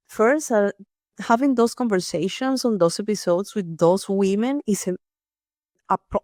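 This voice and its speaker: A woman's voice: medium pitch, darkish tone, no room sound, clean studio sound. Earnest woman host, nonnative phrasing. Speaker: podcast host, here the guest. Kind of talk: reflective personal storytelling.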